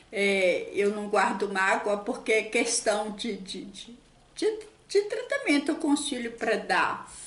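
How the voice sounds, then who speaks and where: A woman's fairly high voice with lively intonation, at a very slow pace, over noticeable background noise. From Brazil, Minas Gerais (rural, near Augusto de Lima). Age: 60s. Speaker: daughter of former bandits, interviewee. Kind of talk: interview, life story. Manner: halting, repeats words.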